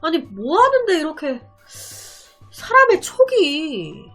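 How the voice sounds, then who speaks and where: A woman's voice: extremely high pitch, huge pitch swings, slow pace, a bit bright, faint music behind, voice pushed up, full character voice. A woman voicing a puzzled emergency room doctor. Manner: surprised, suspicious questioning.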